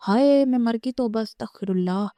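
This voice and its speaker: A woman voicing a gossipy, scandalized middle-aged aunt in a storybook reading, with shrill, dramatic exclamations. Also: warm tone, no echo, close to an everyday voice.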